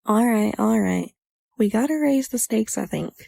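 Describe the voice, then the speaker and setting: A woman's voice: a little high, lively intonation, normal speed, creaky, warm tone, dry recording, clean studio sound, exaggerated voice. A woman playing a casual, stubbornly optimistic young woman in an audio drama, folksy and informal.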